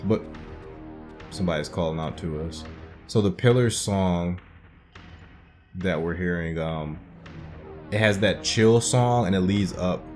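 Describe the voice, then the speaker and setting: A man's voice: low-pitched, unhurried, long pauses, a little mellow. A man giving casual playthrough commentary as host of a gaming video, with game music behind him. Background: faint game music.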